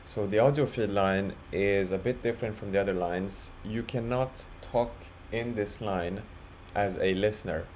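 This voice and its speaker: A man presenting a casual software walkthrough, explaining step by step in a halting way. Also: fairly low pitch. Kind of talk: casual screen-share walkthrough. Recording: clearly audible background noise.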